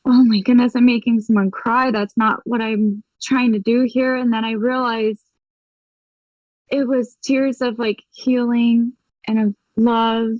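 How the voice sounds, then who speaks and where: A woman's voice: a little high, a little mellow, no echo, lo-fi sound. A woman, a medium, telling a personal story in an interview, acting out the dialogue vividly and laughing often.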